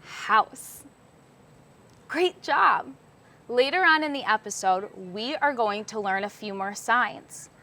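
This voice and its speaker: A woman's voice: on the high side, animated, slow, pushed and bright. A woman hosting a children's show, giving simple, encouraging instructions as if to young children. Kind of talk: scripted children's show presenting, teaching signs.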